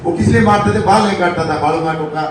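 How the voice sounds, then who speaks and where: Male motivational speaker, high voice, recorded far off in a roomy college hall with faint ambience. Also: fast, noisy background. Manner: lecturing, asks the crowd rhetorical questions. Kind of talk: motivational talk to college students.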